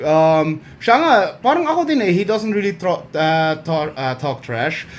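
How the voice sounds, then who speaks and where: A man speaks with lively intonation in a high pitch. There is noticeable background noise. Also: moderate pace. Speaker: MMA fighter. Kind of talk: casual interview. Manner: soft-spoken.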